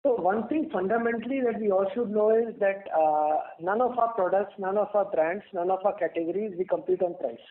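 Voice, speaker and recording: Heard through a tinny, narrow telephone connection, a high-voiced man with an Indian accent talks briskly with few pauses. He's an executive answering earnings call questions, repeating words as he works through his points.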